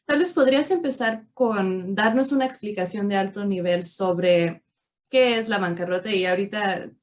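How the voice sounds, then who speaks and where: A woman's voice: mid-range voice, normal speed. A woman lawyer hosting an interview, with a formal, carefully scripted opening. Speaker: host and lawyer. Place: online video interview.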